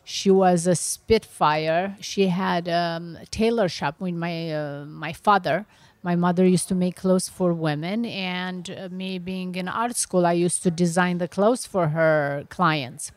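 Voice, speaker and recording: A middle-aged woman from Romania with a Romanian accent, a guest telling her life story in an interview, earnest and halting with frequent restarts. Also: fairly low pitch, fairly even intonation, no room sound. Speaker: guest, beauty entrepreneur.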